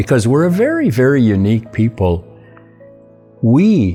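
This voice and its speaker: A man speaks at a fairly slow pace over music in the background. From Manitoba, Canada. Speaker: Michif language interpreter. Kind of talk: interview answer.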